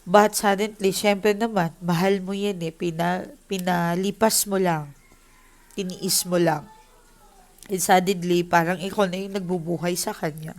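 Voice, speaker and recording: A woman gives a casual tarot reading to her viewers. Her voice sits a touch low, and she talks in an emotional, heartfelt way, switching between Tagalog and English as she speaks to them directly. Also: steady tone, unhurried, darkish tone. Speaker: tarot reader.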